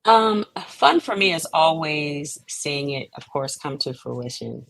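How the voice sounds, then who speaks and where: Low-pitched American woman explaining thoughtfully. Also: expressive, takes it slowly, gravelly, faint music behind, rough recording. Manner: reflective, explanatory, often checks with "you know what I mean". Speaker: guest, playwright and stage director. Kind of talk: conversational interview answers.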